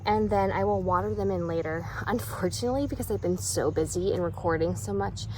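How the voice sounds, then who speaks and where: A gardening vlogger talks a little fast in a mid-range, slightly mellow voice as she tours her backyard plants, growing breathless from the work. She films on her phone camera, and the recording is rough with slight background noise.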